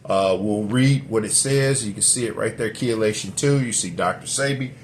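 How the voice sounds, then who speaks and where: Chatty middle-aged guy rambling to his camera at home, lowish voice, faint room hum. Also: normal speed. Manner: talkative, many fillers and restarts; drops into a deep put-on radio voice. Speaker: vlogger reviewing a product. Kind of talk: rambling casual vlog. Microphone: camera set up nearby.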